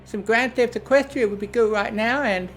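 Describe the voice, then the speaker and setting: Storybook sock puppet, shrill and sassy, Manhattan accent, squeaky high. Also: male voice, normal speed, a bit bright, faint music behind. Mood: whiny.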